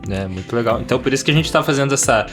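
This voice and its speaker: Brazilian guy cohosting a podcast, chatty and winging it, normal pitch, guitar music clearly playing behind. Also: lively intonation, rapid-fire. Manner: informal, loosely improvised. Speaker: podcast co-host. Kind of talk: casual chat. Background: instrumental guitar music.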